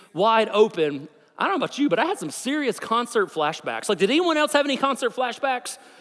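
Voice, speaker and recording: With a Southern US accent, a man talks at a very fast pace in an extremely high pitch and an animated tone. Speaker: pastor. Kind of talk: sermon. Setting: church.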